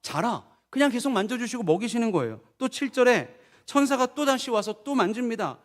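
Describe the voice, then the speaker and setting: High-voiced male pastor preaching. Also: lively intonation, a little fast. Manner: preaching with dramatic voiced prayers, dropping low and soft for quoted laments. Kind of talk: sermon. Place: church sanctuary. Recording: long church reverb.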